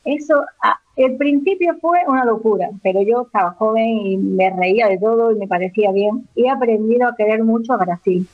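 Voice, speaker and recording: A woman's voice: on the high side, brisk. A woman in her forties with an accent from Spain, answering interview questions in a chatty way, often restarting and repeating words. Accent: Spanish from Spain. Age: 40s. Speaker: interview guest. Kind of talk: casual conversational interview. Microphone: phone call. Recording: narrow phone line.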